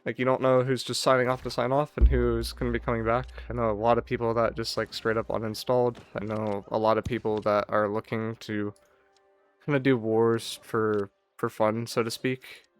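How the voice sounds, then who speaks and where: A man's voice: medium pitch, flat delivery, moderate pace, smooth, faint music behind. A man giving a casual, unscripted farewell commentary on a video game, speaking in a downcast, wistful, resigned way. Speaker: gaming channel streamer.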